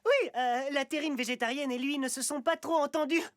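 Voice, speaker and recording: A woman voicing a goofy, eager young boy sidekick in an animated cartoon dub. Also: sits high, a little fast, dry recording, lightly acted. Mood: goofy, covering up. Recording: music behind the voice.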